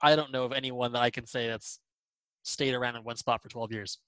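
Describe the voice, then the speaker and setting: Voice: mid-range voice, steady tone, brisk, fairly bright tone, dry recording, rough recording. Interview host, hesitant, lots of fillers, casual questions, dry close sound.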